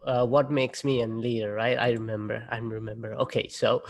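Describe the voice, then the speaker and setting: A man's voice: medium pitch, flat delivery, fairly quick. A man from Nepal, a student panelist, introducing himself in a casual, self-deprecating way. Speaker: student ambassador.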